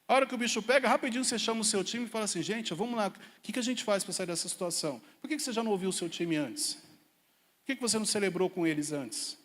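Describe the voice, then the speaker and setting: High-voiced preaching man in reverberant hall. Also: fast. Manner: animated preaching, rhetorical questions. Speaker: pastor. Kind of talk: sermon. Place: church service hall.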